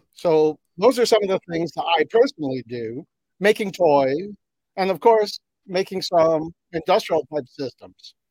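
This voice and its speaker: In a dry, close sound with no echo, a man with a high pitch speaks at a fairly slow pace using lively intonation. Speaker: software consultant and open source maintainer. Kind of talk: interview answers.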